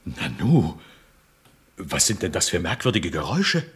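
A man's voice: sits low, big pitch swings. A man playing a puzzled older head physician examining a patient, in a radio-play clip. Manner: puzzled, clinical, slow.

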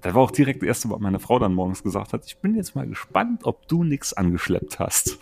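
A man's voice: on the low side, sing-song, a little fast, creaky, darkish tone. A man chatting casually and colloquially as a podcast host. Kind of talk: casual chat.

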